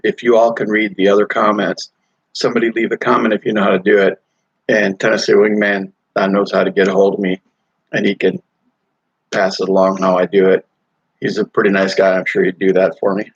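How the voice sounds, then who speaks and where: Gravelly middle-aged man rambling on a live stream. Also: fairly low pitch, no echo. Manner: rambling, halting, with many fillers and restarts. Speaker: motorcycle vlogger live streaming. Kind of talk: casual live stream chat. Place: hotel or rest stop while traveling. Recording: dull lo-fi dry sound.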